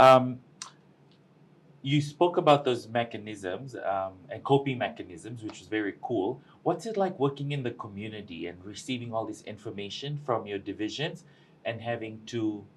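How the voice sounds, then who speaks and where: A man from Fiji, hosting a casual studio interview in a chatty, expressive way and tagging remarks with "eh?". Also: lowish voice, normal speed, slight background noise. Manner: chatty and expressive, with a habitual tag "eh?". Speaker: talk show host.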